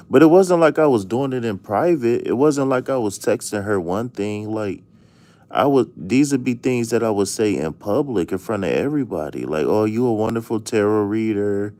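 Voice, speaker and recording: A man streams a casual chat as a tarot reader, telling stories full of jokes and plenty of profane slang. His voice is on the low side with a darkish tone.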